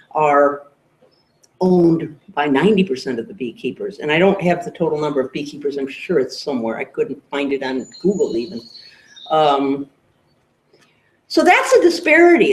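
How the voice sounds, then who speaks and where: A man's voice: a little high, a little hiss or hum. A man on a panel discussion, thoughtfully giving context with numbers and a few hedges. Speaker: roundtable panelist. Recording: roomy hall echo.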